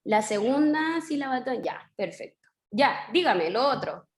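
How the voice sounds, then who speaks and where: Encouraging Chilean teacher on a video call. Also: female voice, high-pitched, big pitch swings, reverberant. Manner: patient, encouraging, drawn-out stressed syllables. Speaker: primary school teacher. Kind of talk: online class teaching.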